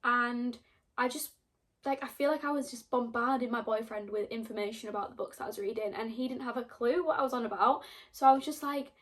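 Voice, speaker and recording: A woman's voice: a little high, brisk. A young woman from Yorkshire with a Yorkshire accent, chatting casually to camera about herself, rambling with lots of fillers. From Yorkshire, England. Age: young adult. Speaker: book vlogger.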